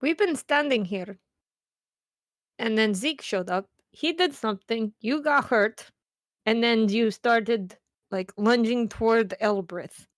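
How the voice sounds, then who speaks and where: Female tabletop player, fairly high voice, dry close sound, casual roleplay chat. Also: takes it slowly, dry recording.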